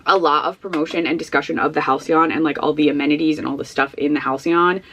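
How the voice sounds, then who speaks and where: A woman with a somewhat low voice talks casually into a camera at home, giving frank, rambling opinions. She sounds sniffly, and her voice is going. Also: fairly even intonation, quick pace, a bit bright. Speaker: vlogger. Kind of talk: casual book review chat.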